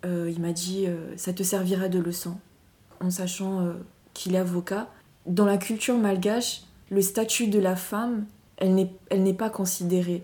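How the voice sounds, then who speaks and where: A woman's medium-pitched, somewhat breathy voice with a dark, mellow tone, fairly slow pace, flat monotone intonation and long, frequent pauses. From Madagascar, Diego Suarez. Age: 20s. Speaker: immigrant. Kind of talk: testimony.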